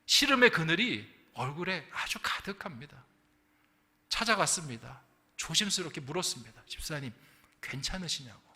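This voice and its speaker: A man preaching a sermon as pastor, telling a story with lively, acted-out quotes. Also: on the high side. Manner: animated storytelling, acting out quoted voices. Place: church sanctuary. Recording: church hall reverb.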